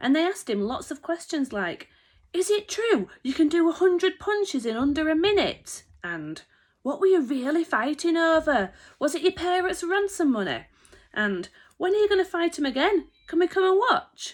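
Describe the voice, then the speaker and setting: On a very clean recording with a silent background, a woman speaks at a moderate pace. Her Yorkshire accent comes with an extremely high pitch and lively intonation. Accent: broad Yorkshire. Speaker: teacher. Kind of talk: reading aloud.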